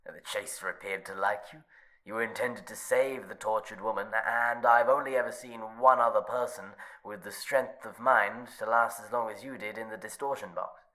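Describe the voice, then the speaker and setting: A man's voice: on the low side, fairly even intonation, normal speed, pushed and bright, rough recording. An actor playing a suave, mocking male overseer of a hotel test, silky and teasing, slipping into whispers in a horror audio drama.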